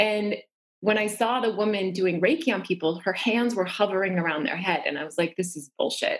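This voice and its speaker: A woman with an unremarkable speaking voice talks in an American accent at a fairly quick pace. Her medium pitch shows ordinary pitch variation. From North Dakota, US Midwest. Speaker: Reiki practitioner and wellness coach. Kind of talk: interview.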